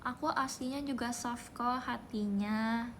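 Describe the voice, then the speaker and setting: A young woman streaming live, chatting playfully in a soft voice, humming bits of songs and thanking viewers by name. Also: on the high side, fairly even intonation, a little slow, slight background noise. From Indonesia. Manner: playful, soft-spoken, sings snippets and reads out gifter names. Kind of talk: casual livestream chat.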